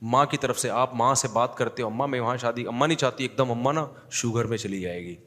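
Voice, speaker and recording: A man delivers a sermon as a string of stories, acting out the people he talks about. His voice sits at an ordinary middle pitch. A long reverb hangs on every phrase, as if he speaks in a large hall. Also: pushed and bright. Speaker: cleric giving a talk. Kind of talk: storytelling sermon.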